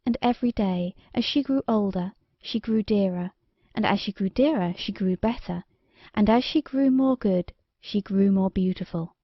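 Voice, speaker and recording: A woman's voice: medium pitch, moderate pace, no room sound, lo-fi sound. A woman reading a scripted children's story as an audiobook narrator.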